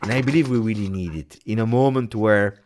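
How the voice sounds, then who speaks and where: A man hosting a casual live stream, talking in an animated way with many fillers and repeated words. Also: on the low side, a little fast, a little hiss or hum. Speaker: host of a fan channel.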